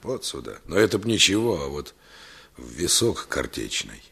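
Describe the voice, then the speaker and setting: A grave village man with a husky voice in an old radio play. His voice is extremely deep but lively in pitch, and he sounds earnest and instructive. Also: moderate pace, exaggerated voice. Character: grave village man bringing hard news. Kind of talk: archival Soviet radio drama.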